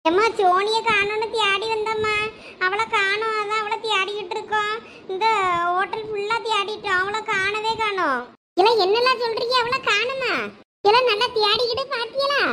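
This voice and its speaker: Very high-voiced woman with a Thoothukudi accent. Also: fairly even intonation, moderate pace, very noisy. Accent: Thoothukudi Tamil. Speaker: voice artist of a cartoon series. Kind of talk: comic cartoon dialogue in village slang.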